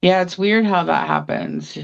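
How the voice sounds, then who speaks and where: A woman co-hosting a podcast, telling rambling stories in relaxed casual chat. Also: on the low side, unhurried, gravelly, dull audio. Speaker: podcast co-host.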